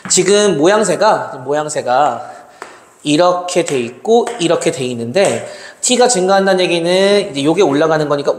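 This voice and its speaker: A male math tutor working through exam problems step by step, talking calculations aloud and checking in with his students. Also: on the high side. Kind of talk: exam problem walkthrough lecture. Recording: roomy reverb, faint noise.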